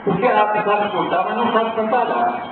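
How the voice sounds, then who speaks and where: A provocative male lecturer with a fairly high voice, pressing his students with emphatic rhetorical questions. He is heard from far off in a big hall with a long, heavy echo, through a thin, phone-like recording with loud ambience behind him. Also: sing-song, moderate pace, noisy background. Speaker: teacher. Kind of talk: spiritual lecture to a class.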